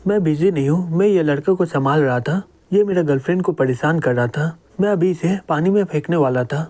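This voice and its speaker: Guy doing a tough security chief, blustery n threatening, kinda high mellow voice. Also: brisk, close to an everyday voice.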